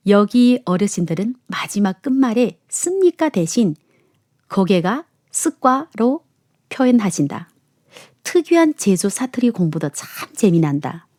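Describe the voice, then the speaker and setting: A woman's voice: mid-range voice, very animated, measured pace, darkish tone, dry recording. A woman presenting a radio program, reading listener letters and chatting in the studio.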